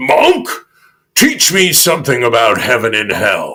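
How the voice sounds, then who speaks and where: Using a put-on character voice, a man speaks raspily at a medium pitch. His pace is fairly slow. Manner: commanding, used to instant obedience.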